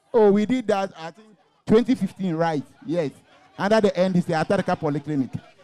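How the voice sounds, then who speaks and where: In a Ghanaian accent, the speaker goes at a moderate pace with ordinary pitch variation and big swings in loudness. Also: man, high pitch for a man. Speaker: party communications officer. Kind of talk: heated political debate. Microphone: handheld.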